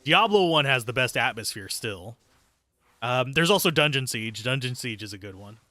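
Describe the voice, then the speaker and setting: Guy streaming a game, sharp bright voice, mid pitch, really dry sound, chats casually and swears, pokes fun at himself. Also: animated, normal speed, no room sound. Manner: sweary, self-deprecating, sardonic. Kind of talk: casual live gameplay commentary, chatting with viewers.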